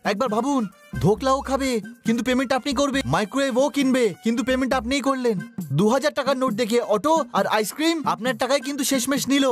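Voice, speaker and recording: An actor voicing a clever young helper in a dubbed cartoon, persuasively laying out how the host is being cheated. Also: male voice, very high voice. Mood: earnest. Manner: quick and persuasive, laying out the case. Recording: cartoon dub over music.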